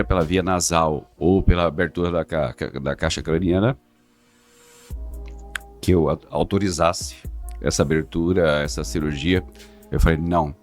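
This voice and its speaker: A middle-aged man, giving an earnest, halting religious testimony as a podcast guest. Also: deep voice. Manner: earnest, halting, restarts words.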